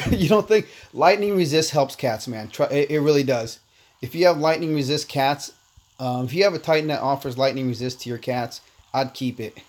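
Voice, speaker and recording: A man's voice: mid-range voice, normal speed, a little mellow. A man born in Korea, first language Korean, casually chatting with viewers while streaming a mobile game. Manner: laid-back, chatty, calls viewers "man", reads chat aloud. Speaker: livestream host. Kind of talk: casual gameplay livestream chat.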